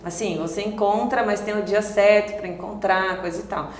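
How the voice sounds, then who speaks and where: A woman's voice: medium pitch, fairly even intonation, normal speed, echoey room, a little hiss or hum. A woman restaurant owner as an interview guest, answering hesitantly and searching for words with many fillers.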